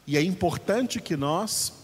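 Slow, husky-voiced man preaching. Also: sits high, animated, in a large hall. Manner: slow, emphatic, repeats key points. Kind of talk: Bible teaching sermon.

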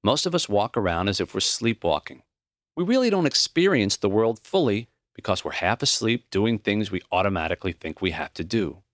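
A man reading the lines of a gentle, reflective old dying professor in a memoir audiobook, earnest and plain-spoken. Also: on the low side, very animated, fairly quick, dry recording, clean studio sound.

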